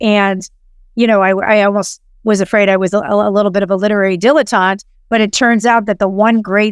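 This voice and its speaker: A woman speaks with an American accent and fairly even intonation. The recording is very clean, with a silent background and a dry, close sound with no echo. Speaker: author and writing professor. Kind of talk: interview. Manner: fast.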